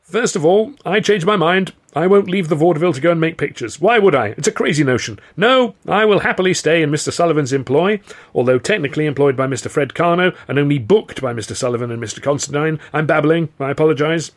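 A man's voice: fairly high pitch, expressive, normal speed, pitched above the performer's own voice. A man voicing a frightened music-hall comedian in an audiobook, flustered, wordy and eager to please. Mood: panicky, placating. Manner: gulping, flustered, placating, wordy. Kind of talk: audiobook character dialogue.

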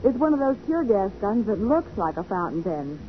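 A woman's voice: medium pitch, big pitch swings, moderate pace, close to an everyday voice. A woman playing a spirited heroine in a 1940s radio detective drama. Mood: bright, curious. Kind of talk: 1940s radio crime acting. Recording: tinny, noisy 1940s radio recording.

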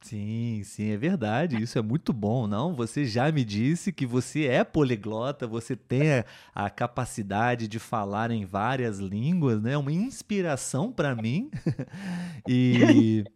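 A Brazilian man hosting a live podcast for learners of Portuguese, welcoming listeners with many fillers and pauses. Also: mid-range voice, expressive, darkish tone. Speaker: podcast host and Portuguese teacher.

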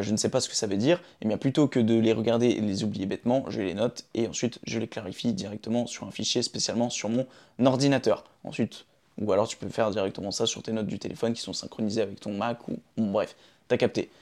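A man's voice: on the low side, fast, a little mellow. A young man giving casual advice straight to the camera, often checking in with "d'accord?" and "ok?". He records on a phone in his room. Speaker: vlogger sharing his daily routine.

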